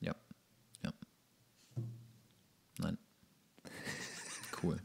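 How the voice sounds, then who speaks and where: A man's voice: very slow, darkish tone, a little hiss or hum. A man co-hosting a podcast, casually commenting on a show with sarcastic, slangy jokes. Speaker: podcast host.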